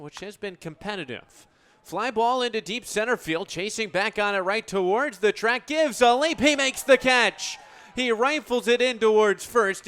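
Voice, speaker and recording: A young American man works as a radio play-by-play broadcaster. His voice sits a little above average in pitch and is very clean and smooth. He describes the action in articulate, flowing calls. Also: a bit bright. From United States. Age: 20s. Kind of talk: radio sports play-by-play commentary.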